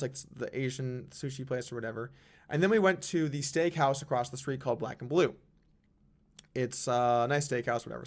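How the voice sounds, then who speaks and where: A young man, a poker vlogger, telling a personal story to camera in an earnest, halting way with frequent restarts. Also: mid-range voice.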